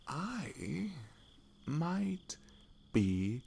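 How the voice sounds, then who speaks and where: A man playing a sweet, nervous young best friend in an intimate ASMR roleplay, speaking haltingly with a husky, breathy voice that drops toward whispers. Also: a little high, big pitch swings, darkish tone, a little hiss or hum, full character voice. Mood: nervous, tender. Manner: hesitant, halting, slipping into whispers.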